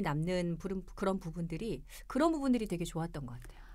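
This woman speaks quickly. Her pace is fairly quick throughout. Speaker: voice actor. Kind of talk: casual chat.

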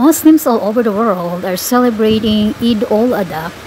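A woman speaks at a moderate pace in a fairly high pitch. Noticeable background noise runs behind her. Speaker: vlogger. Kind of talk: vlog narration. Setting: market.

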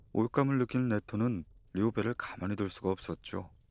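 At a moderate pace, a man speaks in a calm, soothing tone, recorded very cleanly with a silent background and dry, close sound with no echo. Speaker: audiobook narrator. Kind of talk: audiobook narration. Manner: calm, soothing for sleep.

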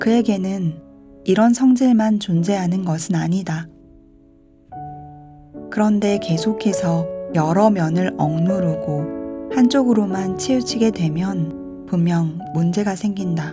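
Over music in the background, a soft-spoken woman with a gentle, calm tone speaks at a very slow pace. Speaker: audiobook narrator. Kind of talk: bedtime book reading. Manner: soft, gentle, calm.

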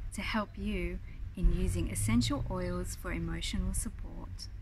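Over light background noise, a woman talks at a moderate pace. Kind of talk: promotional introduction. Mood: warm, friendly. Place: garden.

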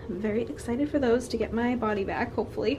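Over noticeable background noise, a woman speaks with fairly even intonation. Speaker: home organizing vlogger. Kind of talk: casual vlog chat. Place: bathroom. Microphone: phone near.

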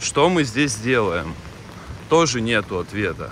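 Noticeable background noise sits behind a man speaking. His pace is fairly slow and his intonation lively. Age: 30s. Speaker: travel vlogger. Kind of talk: walking vlog monologue. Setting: outdoors walking in rain.

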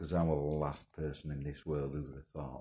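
Soft-spoken and somewhat breathy, a man speaks in a monotone, flat intonation, his pitch very deep and low and his tone dark and mellow. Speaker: long-time smoker. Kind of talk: casual talk to camera. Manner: quiet, soft-spoken. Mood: earnest, somber warning. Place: home room. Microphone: phone near.

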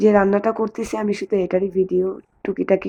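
A woman talks at a medium pitch in a dark, mellow tone. Her intonation is monotone and flat. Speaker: lifestyle vlogger, mother. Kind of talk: vlog voiceover narration.

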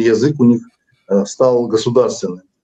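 A man speaks at a moderate pace with ordinary pitch variation. His tone is dark and mellow against a quiet background. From Kalmykia, Russia. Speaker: political activist; guest. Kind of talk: interview. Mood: calm, measured. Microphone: video call.

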